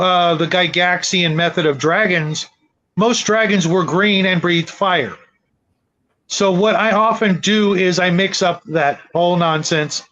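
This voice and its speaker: A man talking casually in a panel discussion, halting and often repeating his words as he thinks aloud. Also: high-pitched, fairly bright tone. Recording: dull lo-fi audio.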